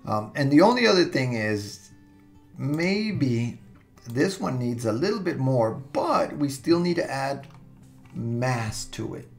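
Slow and creaky, a mid-range male voice leads a step-by-step software demonstration from his computer. Soft music plays in the background while he muses casually, stopping to restart and filling pauses.

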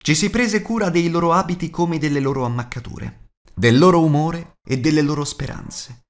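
A man reads an audiobook as narrator, in an expressive scripted storytelling style. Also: on the high side, normal speed.

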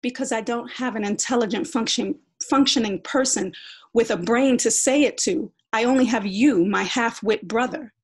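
A woman's voice: mid-range voice, unhurried, husky. A woman voicing an exasperated teenage girl who rants indignantly at her brother. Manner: indignant, emphatic ranting.

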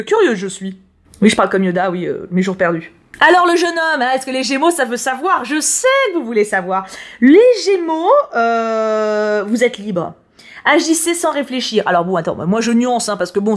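A woman chatting casually as she reads tarot horoscopes, slangy and prone to repeating words. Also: a little high. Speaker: YouTuber reading tarot horoscopes. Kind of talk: casual chat.

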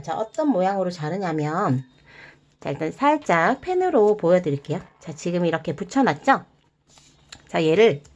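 A woman guiding viewers through a paper-folding craft step by step, gentle and encouraging, with playful sound words. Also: mid-range voice, muffled recording. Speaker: origami instructor.

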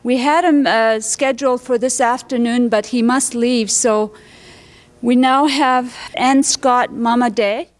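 A woman's voice: on the high side, fairly even intonation, unhurried. A woman acting as host, formally introducing a special guest, heard from some distance in a hall.

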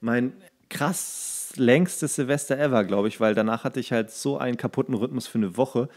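A man's voice: mid-range voice, normal speed, darkish tone. A young adult man, a podcast co-host telling long anecdotes in casual chat, with many fillers and restarts.

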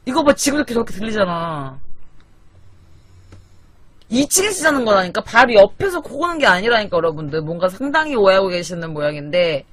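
A woman's voice: mid-range voice, big pitch swings, brisk. A young woman from Korea livestreaming from her apartment at night, swearing casually and venting in an exasperated way. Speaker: live streamer. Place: small apartment at night, sister asleep in the loft. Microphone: desk microphone.

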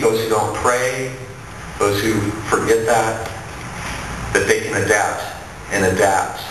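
A man's voice: lowish voice, noisy background. A man in his thirties, a priest giving a sermon from a lectern in a large church, with an earnest, repetitive preaching cadence. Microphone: gooseneck mic on a lectern. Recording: echoey church from far off.

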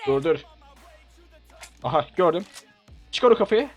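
A man's voice: on the high side, animated, a little slow, highs cut off, soft background music. A young man giving playful, teasing commentary on a shooter game match for his channel. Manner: playful, teasing, bursts of laughing shouts. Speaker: gaming YouTuber. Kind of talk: excited gameplay commentary.

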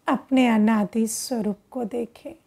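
A woman leading a guided meditation in a hushed, deliberate way, speaking in short phrases with long pauses. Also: on the high side, fairly even intonation, creaky.

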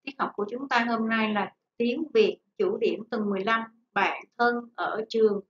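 Woman, primary teacher dictating to young pupils word by word; high voice, dull echoey recording. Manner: dictating, deliberate, enunciating word by word. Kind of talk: slow dictation-style lesson for children. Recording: echoey room, dull sound, faint noise.

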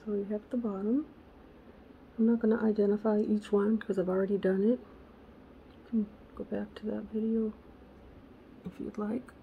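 A woman hosting a casual crafting tutorial, chatty and correcting herself, her voice raspy because she is losing it. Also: mid-range voice, flat delivery, normal speed, long pauses, phone-quality sound, a little hiss or hum. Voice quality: gravelly. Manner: chatty, self-correcting, muttering asides to herself. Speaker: craft channel host.

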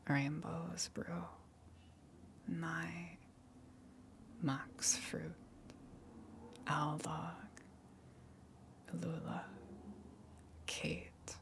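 A woman ASMR creator giving a whispered thank-you reading in a breathy voice. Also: low-pitched, little pitch movement, drawn-out words, long pauses, background noise.

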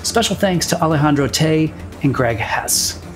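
A man's voice: a little high, lively intonation, normal speed. A man reading scripted credits as an announcer. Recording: prominent music underneath.

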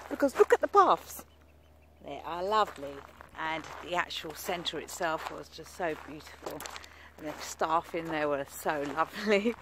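Middle-aged woman chatting to her phone outside, laughy, breathy asides, bit of wind noise. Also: on the low side. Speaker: vlogger. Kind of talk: casual vlog narration. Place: outdoors on windy coast and town streets. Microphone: phone at arm's length.

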